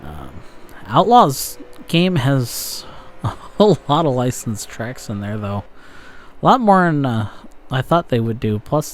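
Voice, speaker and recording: A man's voice: medium pitch, a little hiss or hum. A young man casually commentating a racing game as he plays, rambling with lots of fillers and the odd curse. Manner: rambling with frequent fillers and profanity. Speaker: gaming channel host.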